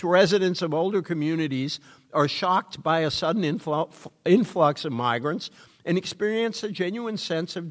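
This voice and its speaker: A man from New England whose first language is French, reading a prepared lecture at a measured pace with frequent ums and uhs. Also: fairly high pitch. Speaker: speaker giving a public lecture. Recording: long hall reverb.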